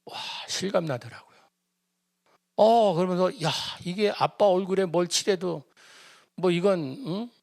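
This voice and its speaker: A middle-aged man preaching at a church prayer service, his voice sitting on the higher side. He tells a story in an animated, humorous way and acts out the people in it with shifting voices. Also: a little slow, creaky, pauses often, no echo, studio quality. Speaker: pastor. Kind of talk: storytelling sermon.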